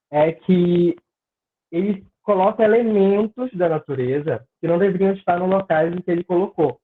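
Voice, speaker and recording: A young man, a graduate student earnestly explaining his research on a video call and stumbling over words now and then. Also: fairly high pitch. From Pará, Brazil. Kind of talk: academic discussion on a video call. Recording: tinny phone-like call audio.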